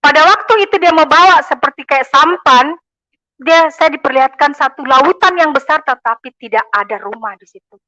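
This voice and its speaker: Speaking at a moderate pace in a high, sharp voice, a testimony speaker from Makassar, Indonesia, addresses the congregation as brothers and sisters with great fervor. The recording has no echo and sounds dull, dry, and lo-fi.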